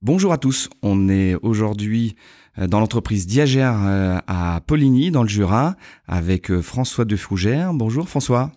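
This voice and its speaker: French podcast host asking short questions. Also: male voice, on the low side, animated, unhurried, dark tone, no room sound, studio quality. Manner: brief prompting questions. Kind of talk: podcast interview.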